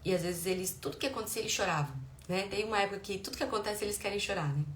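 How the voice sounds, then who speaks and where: A woman's voice: medium pitch, rapid-fire. Woman, middle-aged, Brazilian Portuguese accent, parenting educator, explanatory advice, echoey room, faint background noise. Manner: warm explanatory tone, acts out dialogue with her children.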